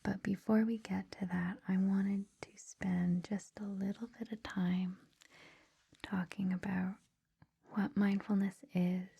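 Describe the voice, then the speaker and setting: A woman host whispering softly in an ASMR style, gentle, reassuring and informal as she speaks to her listeners. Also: medium pitch, level tone, slow pace, muffled recording. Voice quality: soft breathy whisper. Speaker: ASMR host introducing a meditation series.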